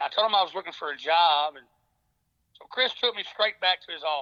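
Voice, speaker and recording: A man's fairly high voice in a western Kentucky accent, at a moderate pace with ordinary pitch variation. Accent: western Kentucky Southern US. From Paducah, Kentucky. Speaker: construction safety manager. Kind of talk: interview storytelling.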